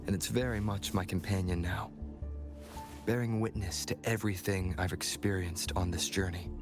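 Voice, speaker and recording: A man's voice: low-pitched, fairly even intonation, moderate pace, music in the background, lightly acted. An actor playing a solemn, reflective male traveller in scripted fantasy game dialogue.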